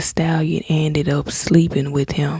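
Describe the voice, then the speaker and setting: Soft-spoken, a woman talks at a fairly slow pace over noticeable background noise. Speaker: ASMR gossip host. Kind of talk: ASMR gossip show, soft spoken celebrity talk. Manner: soft-spoken, casual, chatty.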